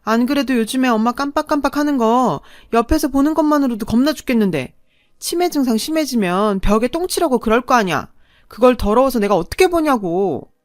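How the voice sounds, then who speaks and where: A woman voicing a pampered, selfish elder sister who talks in a low, sulky whine. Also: no room sound, studio quality, natural voice.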